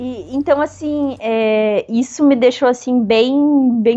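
In a southern Brazilian accent, a woman speaks at a very slow pace with ordinary pitch variation. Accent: southern Brazilian, somewhat rural. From Rio Negrinho, northern Santa Catarina, Brazil. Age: 40s. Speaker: cycle traveller. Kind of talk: interview.

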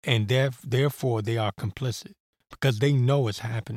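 Somewhat breathy, a man with an American accent talks at a moderate pace on a very clean recording with a silent background. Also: dry, close sound with no echo. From Maryland / DC area. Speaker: podcast host. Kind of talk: opinion commentary monologue. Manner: casual, hesitant with fillers.

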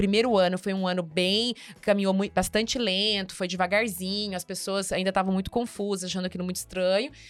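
A woman speaks at a very fast pace with hardly any pauses, her medium pitch held in a monotone, flat intonation. Music plays in the background. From Cuiabá, Mato Grosso, Brazil. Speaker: business movement leader. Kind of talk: podcast interview.

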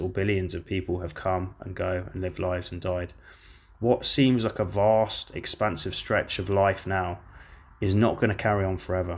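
Here is an unremarkable speaking voice from a man, fairly low in pitch and moderate in pace. The recording is very clean, with a silent background. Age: 30s. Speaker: dating coach. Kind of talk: casual monologue. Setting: outdoors on a balcony.

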